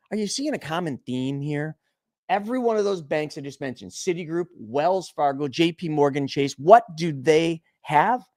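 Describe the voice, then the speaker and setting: A man tears through the week's finance news in a heated, sarcastic rant full of profanity. His voice sits high and leaps about constantly. The recording is close and dry. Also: no room sound. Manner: angry, sarcastic, profane ranting. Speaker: podcast co-host.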